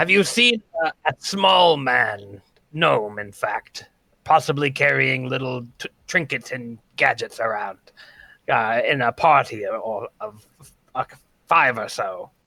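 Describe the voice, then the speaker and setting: A man puts on a raspy character voice at a fairly slow pace. His speech is broken by long, frequent pauses. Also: fairly high pitch for a man. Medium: actual play. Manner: formal, measured, slightly hesitant.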